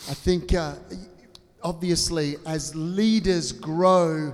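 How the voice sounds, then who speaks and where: A man talks at a fairly high pitch, and noticeable background noise can be heard around him. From Australia. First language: English (speaking French). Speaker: pastor. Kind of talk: sermon. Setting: church.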